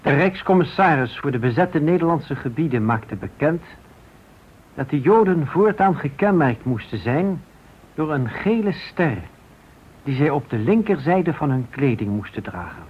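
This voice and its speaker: A man narrating a Dutch radio play in the grave, formal style of an announcer, with a husky voice. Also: fairly high pitch, expressive, a little slow. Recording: dull old radio recording.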